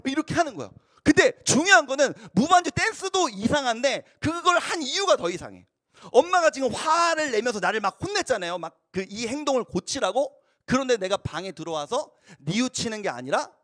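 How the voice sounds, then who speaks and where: Man, youth pastor, high and very lively voice, dry close sound. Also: no room sound. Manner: animated storytelling, acts out quoted lines. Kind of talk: casual youth sermon.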